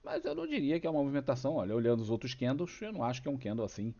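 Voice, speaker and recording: A man's voice: mid-range voice, sing-song, racing, dark tone, muffled recording. A Brazilian man with a cold and a cough, hosting a casual stock market chart talk full of rhetorical questions. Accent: Brazilian Portuguese. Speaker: host of a stock market channel.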